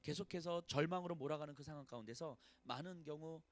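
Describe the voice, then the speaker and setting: At a church service, a male pastor delivers a sermon, talking fast in a voice on the high side. He swings from loud pleading to hushed, sorrowful lament, often voicing prayers of complaint in the first person.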